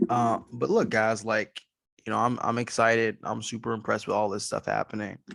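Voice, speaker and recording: A man puts on a raspy character voice at a medium pitch. He talks at a fairly quick pace. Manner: excited, impressed.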